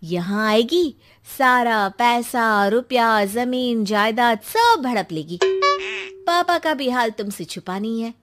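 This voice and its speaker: A woman's voice: fairly high pitch, expressive, slow, a bit bright. A woman voicing a scheming young daughter in a cartoon who wheedles and manipulates her mother. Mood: indignant. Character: scheming young woman plotting to seize family home.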